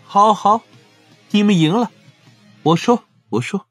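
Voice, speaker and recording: An actor playing a bitter, lovelorn man in an audio drama, confessing haltingly and emotionally. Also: high-pitched, husky, faint music behind, heavily acted. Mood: defeated.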